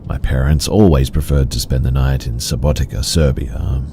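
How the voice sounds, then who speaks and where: A man reading out horror stories in an even, measured storytelling delivery. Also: rumbling low, slight background noise. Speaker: story narrator. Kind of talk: scripted horror story narration.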